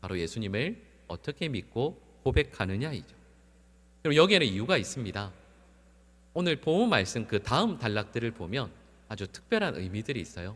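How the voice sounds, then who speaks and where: In a very clean recording with a silent background, a man with a Gyeongsang accent talks at a fairly quick pace with very wide pitch swings and long, frequent pauses. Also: medium pitch for a man. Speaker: pastor. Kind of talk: sermon.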